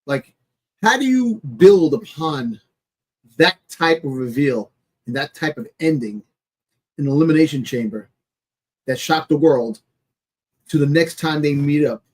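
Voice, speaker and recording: A man co-hosting a casual sports discussion, speaking haltingly as he gropes for words. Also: a little high, animated, poor audio. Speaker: wrestling podcast co-host.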